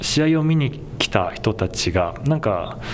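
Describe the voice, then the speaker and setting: A man speaks at a very slow pace, his fairly high voice swinging very widely in pitch. Noticeable background noise runs underneath. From Japan, Chiba. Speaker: professional basketball player. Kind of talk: interview. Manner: hesitant, with fillers and laughs.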